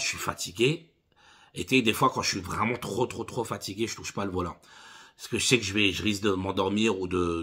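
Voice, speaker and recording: A man's voice: lowish voice, husky. A man in his thirties, a driving instructor, telling funny anecdotes casually to his viewers. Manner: animated anecdotes addressed to viewers as 'les gars'. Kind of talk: casual storytelling to camera.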